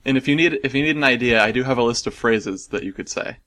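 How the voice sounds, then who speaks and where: A man's voice: medium pitch, quick pace, pushed and bright, no echo. An American man hosting a casual podcast, rambling and self-deprecating, laughing often. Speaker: podcast host.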